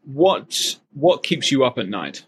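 A man hosting a podcast, asking questions in a halting way with fillers. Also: mid-range voice, big pitch swings, fairly bright tone, breathy edge. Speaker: podcast host. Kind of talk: podcast interview.

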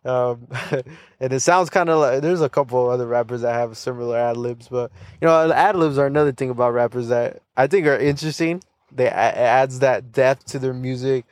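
A young adult man hosts a casual podcast alone, speaking fairly quickly in a medium-pitched, slightly mellow voice. His talk is loose and rambling, sprinkled with fillers, restarts and small laughs, and there's no room sound.

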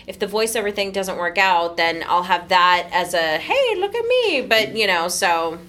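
A voice actor in her thirties joins an interview as a guest, chatting casually and laughing often with self-mocking sarcasm. Her medium-pitched, fairly bright voice swings widely in pitch at a normal speaking speed.

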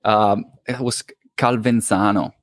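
A man from Italy with an Italian accent mixed with New Zealand English, speaking English as a second language. He talks haltingly as a podcast guest, searching for words. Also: lowish voice, steady tone, dry recording. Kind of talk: casual interview.

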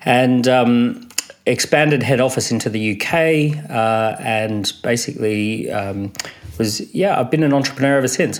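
A man, answering conversationally as an entrepreneur guest in an interview. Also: mid-range voice. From Australia.

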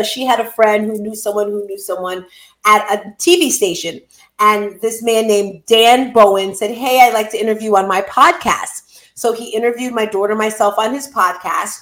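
A middle-aged woman, a bereaved mother, tells her story in conversation, earnest and heartfelt with sudden lively outbursts. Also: mid-range voice, echoey room, poor audio.

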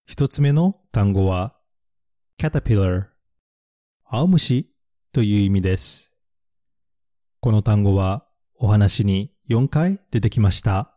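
A man teaching English vocabulary from a picture book in a slow, deliberate podcast lesson. His voice is low and mellow and he pauses to repeat each word. The sound is close and dry. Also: lively intonation, dry recording. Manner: slow and careful, repeating English words for learners.

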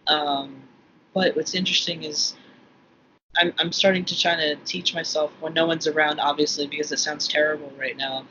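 A man's voice: a little high, steady tone, moderate pace, bright, forceful tone. A man co-hosting a podcast, talking casually and rambling with restarts. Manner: rambling, many restarts, laughs easily. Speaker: podcast co-host. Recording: dull lo-fi audio with faint room noise.

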